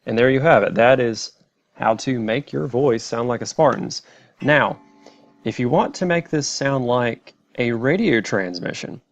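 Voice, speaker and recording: A man narrating a step-by-step software tutorial in a plain, methodical way. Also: medium pitch, a little slow, vocal fry. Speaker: tutorial presenter.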